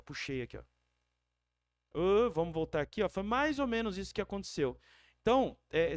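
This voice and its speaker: A man's voice: high-pitched, no echo, studio quality. A man with a Brazilian Portuguese accent casually walking viewers through a trading chart, checking in with them often and correcting himself as he goes. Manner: chatty, keeps checking in with the viewer, frequent self-corrections. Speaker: crypto trading analyst. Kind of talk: casual screen-share trading walkthrough.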